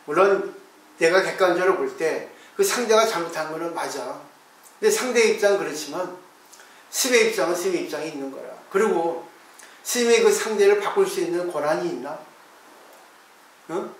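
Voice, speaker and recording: A man's voice: on the high side, expressive, normal speed, pauses often, recorded from a distance. A man, a Buddhist monk, giving a conversational dharma talk and asking his listeners rhetorical questions. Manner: acts out his own replies to disciples. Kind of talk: dharma talk on a Zen text. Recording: very echoey room, voice from off the mic.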